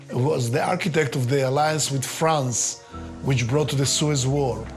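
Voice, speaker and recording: A man giving earnest, explanatory commentary in a documentary interview. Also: on the high side.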